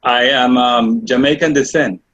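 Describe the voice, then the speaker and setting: A man's voice: medium pitch, steady tone, measured pace, a bit bright, highs cut off. Polite man from Costa Rica on a call. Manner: polite, hesitant with fillers. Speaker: call participant.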